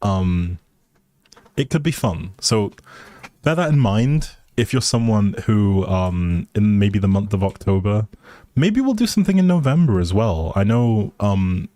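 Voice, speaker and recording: A man with a fairly low voice talks as a livestream host, informal and chatty. He speaks directly to his viewers in a casual way. The sound is dry and close on the microphone. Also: mellow, no room sound.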